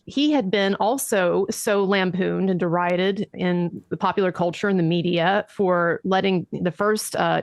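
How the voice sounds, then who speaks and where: A woman's voice: medium pitch, no echo, clean studio sound. A woman guest laying out a story methodically and fluently, her voice a little nasal from allergies. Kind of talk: storytelling in an interview.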